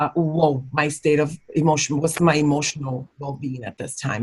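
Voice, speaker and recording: A woman's very deep, low voice with a Puerto Rican accent, somewhat breathy, at a moderate pace with fairly even intonation. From Puerto Rico. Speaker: social worker and professor. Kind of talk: podcast interview.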